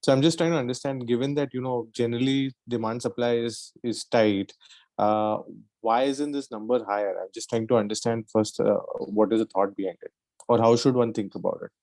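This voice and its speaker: A man's voice: medium pitch, fairly even intonation, a little fast, a little mellow, no echo, rough recording. A man asking questions as an analyst on an earnings call, polite and tentative as he thinks aloud. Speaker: financial analyst.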